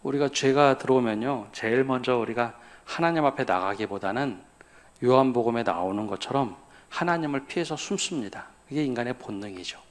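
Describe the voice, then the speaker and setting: A man pastor preaching to his congregation at a midweek prayer service. His voice sits at an ordinary middle pitch, and he keeps throwing questions out to the listeners before answering them himself. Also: brisk. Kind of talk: sermon.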